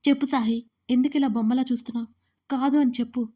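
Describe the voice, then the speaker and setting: A woman's voice: high voice, fairly even intonation, fast talker, mellow. A woman voicing a young woman who feels betrayed by her friend and speaks reproachfully through tears, in an audio story. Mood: pleading. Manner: tearful, reproachful.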